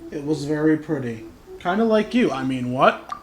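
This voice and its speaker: A man's voice: fairly high pitch, expressive, moderate pace. A man giving casual playthrough commentary as a gaming YouTuber, with informal, self-deprecating asides.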